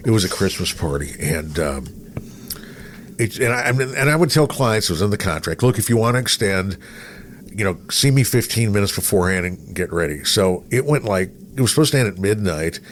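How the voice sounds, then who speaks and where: A man's voice: fairly low pitch, lively intonation, a little fast, a little hiss or hum. A middle-aged American man, a radio host, chatting casually in a rambling storytelling way and acting out what people said. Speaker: radio show host and broadcaster. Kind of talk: casual anecdotal chat.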